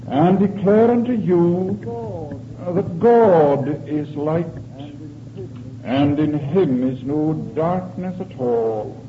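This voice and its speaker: A man with a Scottish Highland accent speaking as a preacher in a formal, deliberate, solemn manner. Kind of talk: sermon and solemn scripture reading. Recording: muffled recording with congregation noise.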